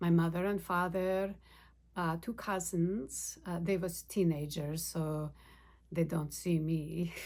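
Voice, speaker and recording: A woman's fairly low voice in a Polish accent, with ordinary pitch variation and a very slow pace. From Poland. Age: 60s. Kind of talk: personal memories interview.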